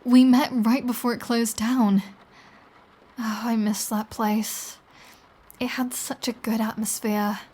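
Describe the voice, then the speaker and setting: A woman's voice: on the high side, little pitch movement, warm tone, husky. A woman playing a flirty, taunting, predatory vampire in an intimate audio roleplay, with a teasing, sardonic delivery. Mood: wistful, playful. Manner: slow, teasing, sardonic, casually profane.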